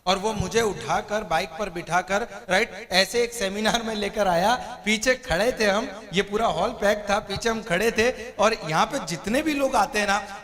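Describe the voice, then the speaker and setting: A man's voice: high voice, a bit bright. A man giving a seminar talk full of stories and jokes, acting out the dialogue and often asking the audience to agree. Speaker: motivational speaker. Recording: reverberant hall.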